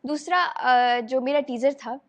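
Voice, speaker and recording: A woman's voice: high voice, slow. A young woman with a Pakistani accent, chatting in an interview as an actress guest, laughing often and slipping English into her talk. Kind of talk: casual interview chat.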